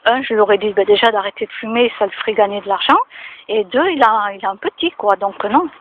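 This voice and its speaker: A woman's voice: mid-range voice, quick pace. A woman vlogging casually to camera, chatting and moralizing with many fillers, recorded outdoors near her home. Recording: tinny phone-like sound with faint noise.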